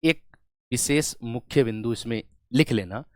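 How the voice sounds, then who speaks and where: A young adult man teaching an exam-prep lesson, repeating key terms and dictating notes, moving between loud emphatic bursts and quiet dictation, and calling his students friends. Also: mid-range voice, no room sound, clean studio sound. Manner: repeats key terms, drills phrases slowly, checks in with students. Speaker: Hindi teacher.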